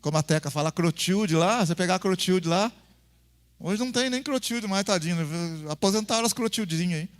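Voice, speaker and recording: A man's voice: high-pitched, expressive, a little fast. A man with a Brazilian accent preaching a folksy, conversational sermon, calling the congregation brother and acting out family scenes. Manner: folksy, acts out family dialogues. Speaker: pastor.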